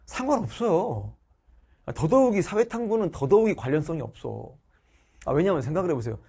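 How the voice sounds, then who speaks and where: A man's voice: a little high, very animated, fairly quick, creaky, warm tone, husky. A middle-aged man teaching social studies online, chatting casually to his students while he gets over a cold. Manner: chatty, speaks to viewers as students. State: recovering from a cold.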